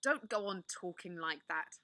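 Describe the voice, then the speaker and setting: A woman's voice: fairly low pitch, animated, measured pace, sharp tone, no room sound, full character voice. A woman doing a grumpy, tired boy. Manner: bad-tempered, snappish.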